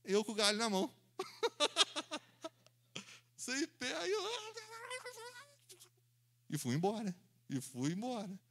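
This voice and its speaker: A man, preaching in an animated storytelling style, acting out voices and sounds and laughing along as he goes. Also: high voice, slow pace, pauses often, slight background noise. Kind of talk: storytelling sermon.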